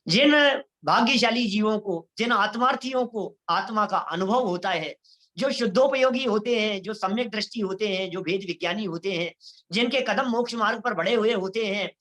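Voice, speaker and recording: A man preaches a devotional Jain sermon with a bright, forward tone. He addresses listeners directly as "bhai sahab" and acts out the voices of people he quotes. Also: sits high, normal speed. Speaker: Jain lecturer. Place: online lecture series.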